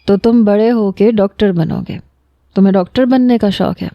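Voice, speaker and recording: Woman as a gentle coaxing doctor. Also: medium pitch, no echo, highs cut off, natural voice. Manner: soft, patient, coaxing.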